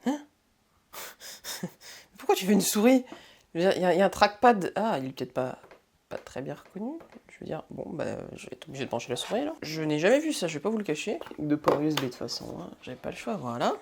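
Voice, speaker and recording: Casual, swearing young tech vlogger. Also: male voice, sits high, very animated, fast talker, vocal fry, breathy edge. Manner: muttering to himself, swearing casually, chuckling. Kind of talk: casual hands-on tech vlog commentary.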